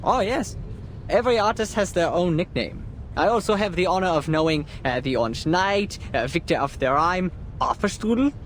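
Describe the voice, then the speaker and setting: A man voicing a polite, excitable art enthusiast in a video game, courteous and effusive. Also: sits high, moderate pace, a little hiss or hum. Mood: eager.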